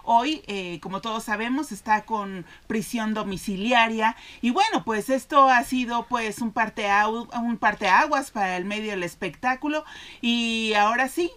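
A woman in her forties hosting a celebrity gossip show from a small studio desk, talking in a lively way with frequent fillers. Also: fairly high pitch, a little slow. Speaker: entertainment news host. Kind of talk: entertainment gossip commentary. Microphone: studio mic on stand in front.

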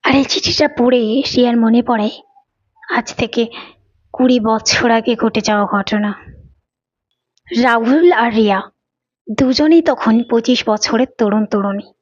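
A woman's voice: on the high side, measured pace, long pauses. A woman storyteller reading a scripted dramatic audio story. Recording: dull lo-fi recording.

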